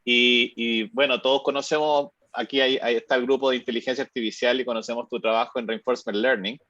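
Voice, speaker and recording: A man's voice: medium pitch, steady tone, fast, fairly bright tone, no echo. Hesitant man hosting online. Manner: hesitant, many fillers and restarts. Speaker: host. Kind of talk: introducing a guest at an online seminar. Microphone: video call. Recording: dry, muffled video call audio.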